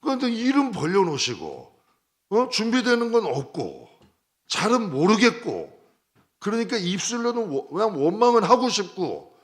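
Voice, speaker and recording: Male pastor, lively preaching, high-ish voice swinging wide, jumping from loud outbursts to hushed asides. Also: normal speed. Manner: lively, conversational preaching with sudden loud and soft turns; acts out prayers and dialogue in a raised voice. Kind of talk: sermon.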